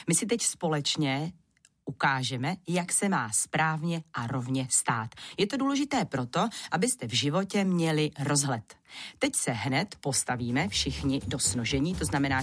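Cheerful woman coaching kids through posture. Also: deep voice. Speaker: children's exercise instructor. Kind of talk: addressing children.

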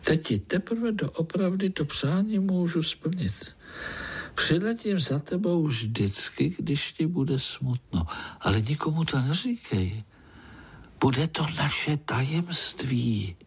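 A man voicing a proud, magical female golden fly who speaks calmly and matter-of-factly. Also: fairly high pitch, husky, pitched above the performer's own voice, heavily acted. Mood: gentle. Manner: haughty, matter-of-fact.

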